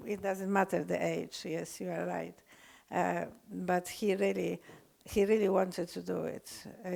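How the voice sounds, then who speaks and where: An older woman with a Polish accent, lecturing unscripted, halting often with fillers and restarts. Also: on the low side, creaky, a little mellow. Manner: hesitant, many fillers and restarts.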